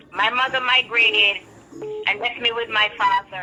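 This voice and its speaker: Music plays in the background as a woman speaks. Her pitch is fairly high, with fairly even intonation. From Jamaica. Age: 60s. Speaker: caller. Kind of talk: phone-in call.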